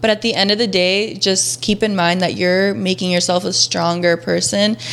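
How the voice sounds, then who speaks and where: A woman with a medium-pitched voice speaks at a fairly quick pace amid noticeable background noise. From Miami, Florida (Hialeah). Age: 20s. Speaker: social media influencer. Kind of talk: casual chat.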